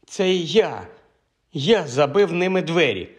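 A man's voice: fairly high pitch, sing-song, slow, husky, voice pushed up, heavily acted. A man reading an audiobook, voicing a frightened young male apprentice with a trembling voice. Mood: nervous. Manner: trembling, hushed reassurance. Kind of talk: audiobook character voice.

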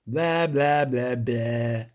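A man's voice: medium pitch, very slow, voice pushed down. A man voicing a furious goat-like male devil who bleats and shrieks as he talks. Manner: shrieking, bursts into goat noises.

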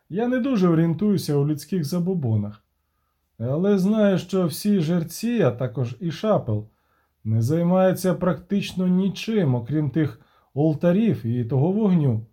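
A man voicing a shrewd, gruff male dwarf banker who talks frankly and cynically in an audiobook. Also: fairly high pitch, big pitch swings, moderate pace, mellow. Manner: worldly, cynical, frank talker.

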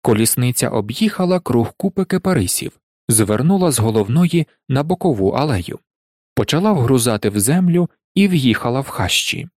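A man reading a novel aloud as an audiobook narrator, in expressive storytelling narration. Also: medium pitch, normal speed, no room sound, clean studio sound. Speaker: audiobook reader.

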